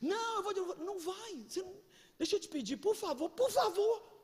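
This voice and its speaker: High, lively pastor preaching in a hall. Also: male voice, fast. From Brazil. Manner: animated storyteller, bursts into shouts, slangy. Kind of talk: energetic sermon with acted anecdotes. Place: church hall. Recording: reverberant church hall.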